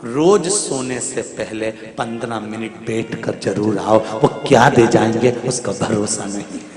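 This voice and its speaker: A man's voice: lowish voice, slow, crowd noise. A man telling a devotional story as a preacher, building his points through rhythmic, repeated lists. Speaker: katha preacher. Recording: echoey hall with music behind.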